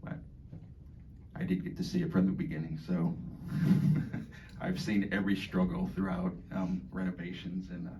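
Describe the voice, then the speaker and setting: A man with a deep voice speaks to residents in an unscripted, halting way, filling gaps with ums and restarting his sentences. He sounds distant from the microphone. Faint noise sits underneath. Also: big pitch swings, vocal fry, dark tone. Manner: halting, many fillers and restarts, laughs between points. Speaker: dining staff member speaking to residents. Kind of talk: informal speech to an audience. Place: community hall. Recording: far from the mic, faint background noise.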